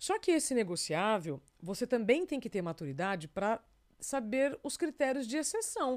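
Heard on a very clean recording with a silent background, a woman speaks at a moderate pace in a high pitch with very wide pitch swings. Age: 40s. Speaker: journalist and speaker. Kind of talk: interview conversation. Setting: studio.

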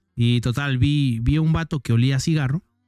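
A medium-pitched man with a Mexican accent, dry and close with no echo, music in the background. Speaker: podcast host. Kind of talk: casual chat.

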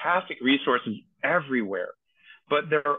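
This is a man with an ordinary speaking voice. He has a fairly high pitch and a moderate pace. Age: 50s. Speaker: emergency physician and adult chess improver. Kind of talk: casual chat.

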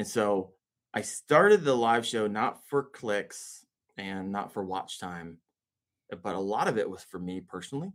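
With an American accent and an unremarkable speaking voice, a man of fairly low pitch speaks at a fairly slow pace, showing ordinary pitch variation and big swings in loudness, in a very clean recording with a silent background. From Ohio, US. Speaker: kayak fishing podcaster guest. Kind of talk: casual chat. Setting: live stream. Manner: casual, chatty.

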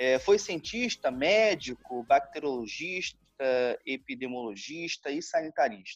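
Slow-paced yet fairly so, a man speaks in a fairly high pitch with very wide pitch swings, the sound dry and close with no echo. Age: 30s. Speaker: history teacher. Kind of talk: educational podcast conversation.

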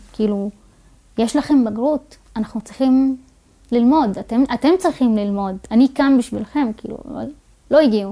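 A woman speaks at a fairly slow pace with a high pitch and a dark, mellow tone. Her speech has long, frequent pauses. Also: ordinary pitch variation. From Israel, Shfar'am (Druze). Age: 20s. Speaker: PhD student in mathematics. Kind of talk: interview. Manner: halting, many fillers.

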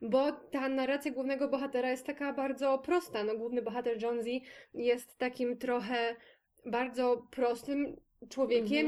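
Fairly even intonation marks a woman's high-pitched speech. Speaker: book podcast co-host. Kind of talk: casual chat.

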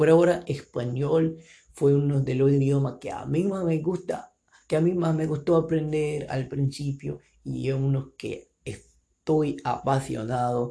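Dark and mellow in tone, a man's somewhat breathy voice moves at a fairly slow pace with fairly even intonation. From Brazil, Pernambuco. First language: Portuguese (speaking Spanish). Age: 20s. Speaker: podcaster. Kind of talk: solo podcast monologue. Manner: halting.

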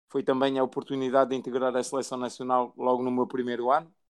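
Delivered at a very fast pace, the speech has a monotone, flat intonation. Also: man. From France (Portuguese-born, raised in France from age 3). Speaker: basketball assistant coach. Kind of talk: interview. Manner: halting, many fillers and repetitions.

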